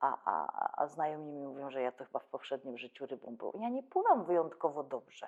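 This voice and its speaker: A woman talks at a very fast pace with hardly any pauses and big swings in loudness. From Upper Silesia, Poland. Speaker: actress. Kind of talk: casual interview chat. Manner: hesitant with fillers.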